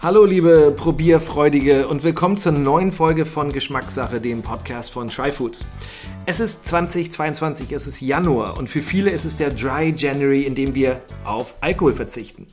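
Man, podcast host, upbeat, friendly, slightly high voice, faint music behind. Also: normal speed, darkish tone. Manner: friendly, upbeat, asks long questions with fillers. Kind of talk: podcast interview.

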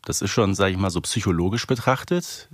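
A man's voice: deep voice, a little fast, no room sound, clean studio sound. A man co-hosting a podcast, analysing in a casual, conversational way. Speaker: podcast co-host. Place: close, dry podcast recording.

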